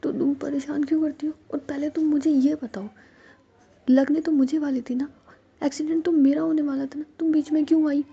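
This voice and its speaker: Woman doing a caring young woman who scolds a lot, warm gravelly voice, dull lo-fi. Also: sits high, flat delivery, fairly quick, pitched above the performer's own voice. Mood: scolding. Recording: dull lo-fi recording with faint noise.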